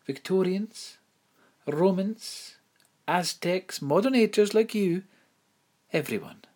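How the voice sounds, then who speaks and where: A man putting on a prim, high-voiced headmistress. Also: lively intonation, slow pace, a little mellow, exaggerated voice. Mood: coaxing. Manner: genteel, coaxing, fussy. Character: prim genteel headmistress, woman, persuasive and sympathetic. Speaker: school headmistress.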